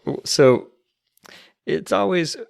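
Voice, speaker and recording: A man's voice: a little high, vocal fry, smooth. A man co-hosting a podcast who chats casually, teases his partner and laughs easily. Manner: unhurried, teasing, laughs easily. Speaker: podcast co-host. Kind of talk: casual chat.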